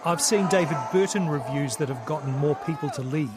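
A man's voice: fairly high pitch, a little fast, over loud music. A man reporting on the ground, giving wry live commentary into phone video outdoors at a street protest. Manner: wry, dry humor. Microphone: phone camera. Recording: phone video in a noisy crowd.

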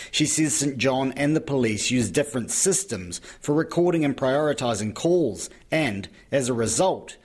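A man, a court reporter giving an even, scripted news report. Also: medium pitch, breathy edge.

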